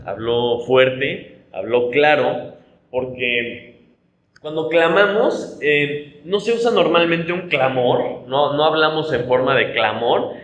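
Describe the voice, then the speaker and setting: A Mexican pastor with a Mexican Spanish accent leads a conversational Bible study in a mid-range, slightly bright voice. He explains things using rhetorical tags and restarts often, and the recording is muffled and reverberant.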